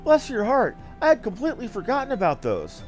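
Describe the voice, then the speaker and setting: A man's voice: very high voice, huge pitch swings, a little fast, soft background music, full character voice. A man voicing a small, flustered, bossy young lady from a video game, chatty and gushing as he reads the dialogue aloud. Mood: flustered, relieved. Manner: fussy, gushing, exclaiming.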